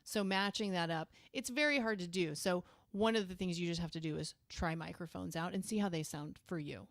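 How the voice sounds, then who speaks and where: Woman, middle-aged, lower direct voice, casual explainer, dry close boom mic in a small studio. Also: a little fast, dry recording. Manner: explains plainly, with frequent fillers like "like". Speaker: marketing director, guest. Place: small studio room full of gear. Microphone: studio mic on boom arm, headphones on.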